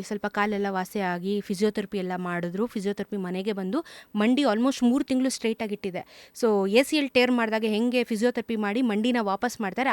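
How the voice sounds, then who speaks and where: A woman moto vlogger, a guest in an interview, candidly recounting events in casual, animated conversation with vivid detail. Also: medium pitch, no echo.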